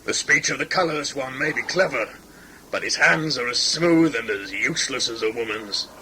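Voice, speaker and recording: An actor playing a stern, commanding tribal chief who speaks in solemn, declamatory, archaic language in an audio drama. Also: male voice, medium pitch, expressive, normal speed, pushed and bright, a little hiss or hum, poor audio. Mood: measured.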